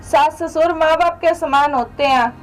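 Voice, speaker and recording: Daughter-in-law played by a woman, very high voice, tearful and pleading, soft music under. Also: unhurried, poor audio. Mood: caring. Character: remorseful young daughter-in-law. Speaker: daughter-in-law in a family skit. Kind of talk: low-budget comedy skit acting.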